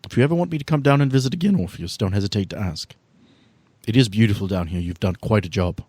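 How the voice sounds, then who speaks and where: A man voicing a caring, firm female team leader with a measured, formal and earnest way of speaking in a tabletop game. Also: on the low side, a little mellow, no room sound, close to an everyday voice. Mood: warm, solemn.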